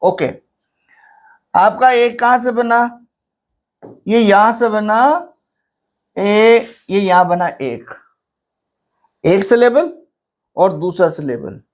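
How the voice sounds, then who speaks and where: Slow, patient literature teacher. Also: medium pitch. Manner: patient, counts syllables aloud, asks rhetorical questions; mixes English terms into Hindi explanations. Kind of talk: exam-prep lecture at a whiteboard.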